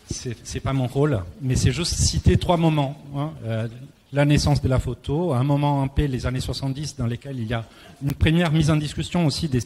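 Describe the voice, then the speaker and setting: A man from Italy speaks at a round table with a clear Italian accent, as a native Italian speaker. His voice is soft-edged and warm, and he feels his way hesitantly from phrase to phrase. The hall rings around him with long reverb. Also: medium pitch. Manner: hesitant, searching for words. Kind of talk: semi-prepared talk on architecture and photography. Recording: echoey hall, clear background noise.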